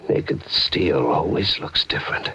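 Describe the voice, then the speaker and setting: An actor playing a haunted, intense killer obsessed with blades in an old-time radio horror drama, brooding and halting. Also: male voice, extremely low pitch, lively intonation, a little hiss or hum, exaggerated voice. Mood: desperate, haunted. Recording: dull old radio broadcast recording. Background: loud dramatic music.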